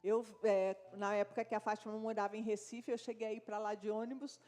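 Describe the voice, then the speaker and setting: A woman's voice: medium pitch, level tone, brisk, a little mellow. A woman pastor with a Brazilian accent, preaching a sermon in a conversational way with frequent tag questions and asides to the congregation. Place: church service.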